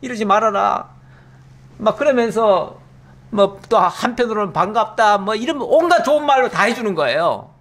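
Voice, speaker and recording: A man's voice: high-pitched, very animated, normal speed. A middle-aged male pastor giving a Bible exposition, telling the story with animation and acting out the characters' lines.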